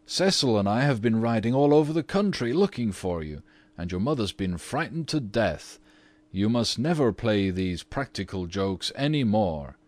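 A man's voice: lowish voice, sing-song, moderate pace, darkish tone, pitched above the performer's own voice. A man reading aloud, voicing a stern father who scolds his daughter sharply. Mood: angry. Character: stern worried American father.

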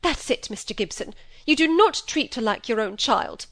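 A woman's voice: on the high side, lively intonation, normal speed, a bit bright, pitched above the performer's own voice. A woman voicing a self-pitying middle-aged stepmother with a plaintive, aggrieved manner.

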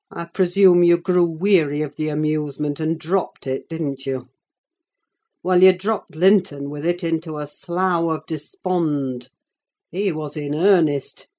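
Woman reading as a slow, menacing villain. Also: sits low, darkish tone. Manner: slow, deliberate and scornful. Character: cold menacing middle-aged man, landowner villain. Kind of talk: audiobook character reading.

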